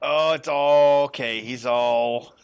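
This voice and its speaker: A man's voice: medium pitch, steady tone, slow pace. A man running a tabletop role-playing game as game master, narrating and chatting casually.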